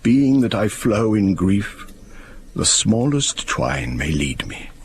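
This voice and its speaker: An actor playing an aging, grieving father, proud and wrathful, declaiming Shakespearean verse in a husky voice. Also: lowish voice, sing-song, takes it slowly, slight background noise. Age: older.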